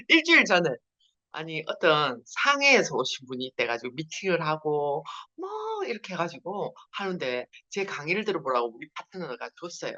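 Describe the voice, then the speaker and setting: Lively woman with Busan dialect. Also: fairly low pitch. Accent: Busan Gyeongsang dialect. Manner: chatty, laughs often, lively. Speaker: network marketing leader giving a seminar. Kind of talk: Zoom seminar talk. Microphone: video call. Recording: dull lo-fi video call audio.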